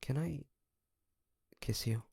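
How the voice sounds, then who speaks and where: A man playing an earnest young demon hunter in a romantic audio drama, speaking very slowly with a gravelly fry. He is soft-spoken and hesitant, tender toward the one he loves. The sound is dry and close. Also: medium pitch, no echo, heavily acted. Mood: nervous, tender.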